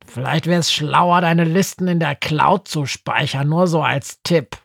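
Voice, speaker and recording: A man's voice: a little high, unhurried, vocal fry, a bit bright, dry recording, studio quality, voice pushed up, exaggerated voice. A man voicing a small winged male creature who talks in an eager, pushy way.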